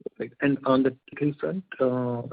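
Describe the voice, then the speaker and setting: A man's voice: mid-range voice, fairly even intonation, normal speed, vocal fry. A man with an Indian accent politely and tentatively putting questions as an analyst on an earnings call. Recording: narrow muffled phone line.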